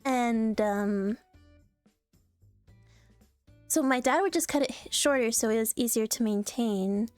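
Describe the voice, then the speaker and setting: A young adult woman streaming casually, reacting to posts in a playful, animated way and laughing often. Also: a little high, moderate pace, clear, resonant tone, no echo, soft background music.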